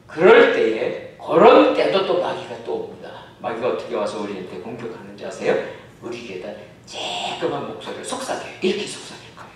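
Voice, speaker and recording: A man's voice: brisk, few pauses. A man preaching a sermon to his congregation, often asking them questions. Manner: asks the congregation questions, animated. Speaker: pastor. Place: church sanctuary. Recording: very echoey hall, mic far off, faint rumble.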